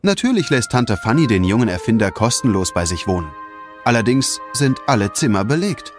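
A male narrator tells a children's audio drama from a script. His delivery is expressive, with lively, moving pitch. Clear music runs behind the voice. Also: a little fast. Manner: expressive storytelling.

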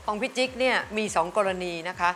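Bright-voiced blunt woman judge. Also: medium pitch, quick pace. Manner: blunt, scolding, direct. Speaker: panel judge. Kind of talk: blunt talk-show verdict.

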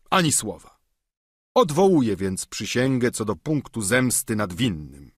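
A grandiose aging knight speaks in solemn, declamatory tones, as a male audiobook narrator puts him on. The voice is husky and lively in pitch, recorded close and dry. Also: no echo. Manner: pompous, declamatory. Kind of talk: audiobook character reading.

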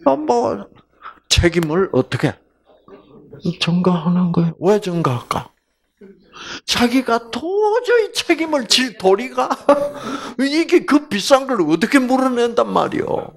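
A man giving a Bible lecture as a lively storyteller, asking the audience questions as he goes. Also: very high-pitched, measured pace.

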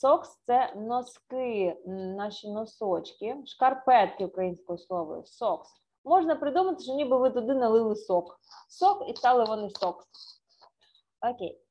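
A Ukrainian woman teaching a remote English lesson to first graders, drawing out words slowly and clearly to show pronunciation. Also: fairly high pitch, expressive, dark tone, slight background noise. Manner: slow, clear, drawn-out pronunciation demos. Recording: dull lo-fi sound.

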